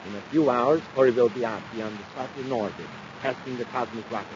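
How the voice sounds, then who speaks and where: An actor playing a vain, imperious aristocratic villain in a 1950s radio adventure, pompous, grandiose and theatrical. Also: male voice, medium pitch, fast, lightly acted. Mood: imperious, confident. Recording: muffled, noisy 1950s radio recording.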